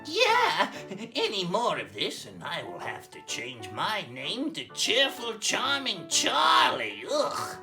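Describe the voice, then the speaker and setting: A man's voice: high voice, huge pitch swings, takes it slowly, few pauses, over music, heavily acted. A man voicing a miserable, grumbling miser puppet in a comedy show, whiny and pompously theatrical. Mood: disgusted.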